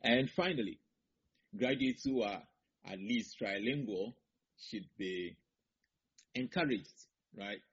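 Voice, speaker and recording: A husky, breathy-edged man speaks as a professor in an interview. His voice sits a little low, and he talks in a measured way, setting out points in order before ending firmly. The sound is slightly muffled. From Ghana. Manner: measured, lists points in order, firm conclusions. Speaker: associate professor of linguistics, interview guest. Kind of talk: explanatory interview answers. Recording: slightly muffled broadcast audio.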